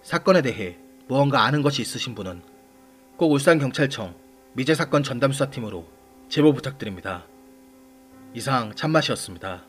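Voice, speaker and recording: A man hosting and narrating a scripted true-crime series in a measured, formal manner, putting questions to the audience. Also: mid-range voice, animated, fairly bright tone. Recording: voice over background music. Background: background music.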